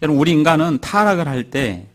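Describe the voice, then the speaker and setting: A man's voice: fairly high pitch, expressive, fast talker. A man preaching a sermon, telling a Bible story and acting out the characters' lines. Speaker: pastor.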